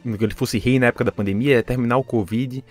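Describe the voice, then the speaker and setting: A man from Recife, co-hosting a podcast in a casual, animated, joking way. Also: mid-range voice, racing, soft background music. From Recife, Brazil. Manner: animated, joking, bursts into laughter. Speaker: podcast co-host.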